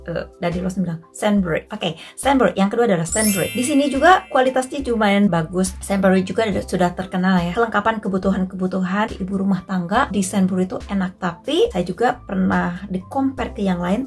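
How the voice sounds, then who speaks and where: A woman in her thirties with an Indonesian accent, chatting casually to camera in her living room and speaking directly to her viewers. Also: mid-range voice. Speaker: vlogger. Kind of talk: casual vlog talk to camera. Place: living room at home, indoors.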